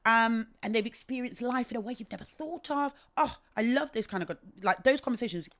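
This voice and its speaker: A woman from England with a British accent, speaking as a guest in a casual conversation and telling her stories in an articulate, expressive way. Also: a little high, brisk. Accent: British English. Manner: articulate, expressive, animated storytelling.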